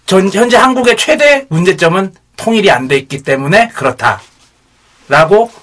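A man's voice: high voice, animated, normal speed, fairly bright tone. A man on a talk show explaining politics in casual chat, with an irreverent, teasing manner.

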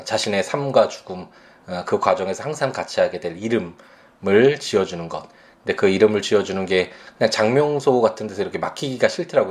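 A man in his thirties, a father, speaking reflectively about his son, pausing often with fillers. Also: low voice. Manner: slow, hesitant, many fillers. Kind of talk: reflective personal testimony.

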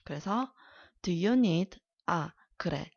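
A woman thinking aloud slowly while she practices simple English questions in a casual lesson chat. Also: fairly low pitch, expressive, gravelly, darkish tone, breathy edge, dull audio. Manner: slow, thinking aloud, laughs often.

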